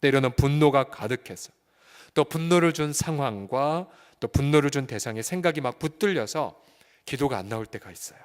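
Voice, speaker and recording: A male pastor preaching a sermon with fervor, swinging between soft, quiet stretches and loud, rising appeals. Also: fairly high pitch, big-room sound. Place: church sanctuary.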